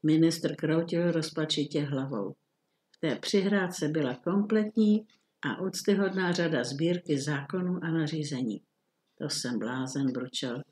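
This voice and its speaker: A woman calmly narrating a classic short story as an audiobook reading, measured and even. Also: low voice.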